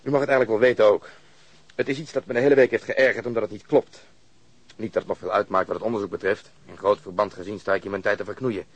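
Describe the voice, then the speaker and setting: Man acting as a insistent police detective, husky low voice, sardonic, radio drama. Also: steady tone, quick pace, no echo, close to an everyday voice. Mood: stubborn, menacing. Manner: blunt, insistent interrogating. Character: stubborn, sardonic male police detective pressing a witness.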